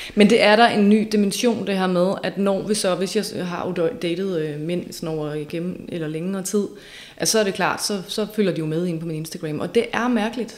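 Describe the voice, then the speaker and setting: Over noticeable background noise, a woman talks at a medium pitch and moderate pace. Her pitch variation is ordinary. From Denmark, South Zealand. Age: 40s. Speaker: Instagram influencer. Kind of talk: casual interview chat.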